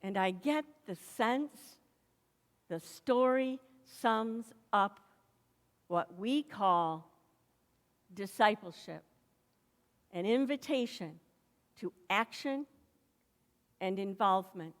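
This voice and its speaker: A woman pastor delivering a sermon slowly and deliberately, with dramatic pauses between phrases. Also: medium pitch, lively intonation. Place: church sanctuary. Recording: echoey church hall.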